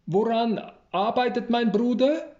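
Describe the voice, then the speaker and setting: An earnest, bewildered young friar, read by a man, in a storybook scene. He asks question after question at a slow pace. The recording is roomy and slightly dull. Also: fairly high pitch, very animated, mellow, heavily acted.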